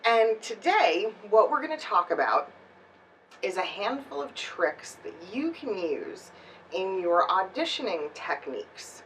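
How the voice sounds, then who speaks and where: A woman's voice: mid-range voice, sing-song, a little slow, fairly bright tone, far from the mic, a little hiss or hum, rough recording. A woman giving instructional tips to camera as a voice-over coach and host, emphatic and speaking directly to her viewers. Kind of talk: instructional video talk to camera.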